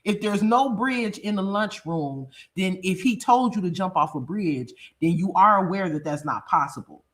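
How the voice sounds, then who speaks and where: Thirties woman from Chicago, streamer type, blunt and profane, quick to laugh, very animated. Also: mid-range voice. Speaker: livestream host reading chat. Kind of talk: casual livestream chat.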